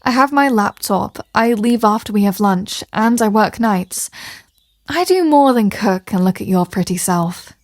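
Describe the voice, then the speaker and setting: A woman's voice: mid-range voice, expressive, measured pace, no echo, close to an everyday voice. Woman playing a flirty mafia boss, close and dry. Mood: flirtatious, assured.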